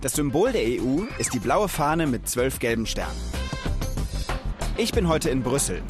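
Lively man presenting for kids over music. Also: mid-range voice, normal speed. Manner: lively, addresses viewers directly as kids. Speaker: children's show presenter. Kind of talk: upbeat presenting and voice-over for young viewers.

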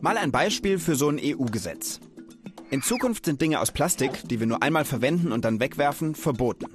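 A man presenting a children's knowledge show, talking straight to young viewers in an upbeat, animated way. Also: medium pitch, a little fast, music in the background. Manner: lively, addresses viewers directly as kids.

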